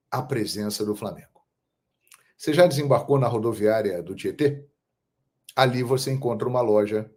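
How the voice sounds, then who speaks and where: A man from Brazil hosting a football channel, telling stories in a measured, emphatic monologue. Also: medium pitch, mellow. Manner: measured, storytelling, emphatic on key phrases. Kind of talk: casual monologue to camera.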